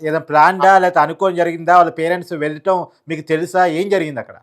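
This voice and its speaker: A man hosts a live news phone interview. He fires off questions very quickly at a medium pitch. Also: steady tone.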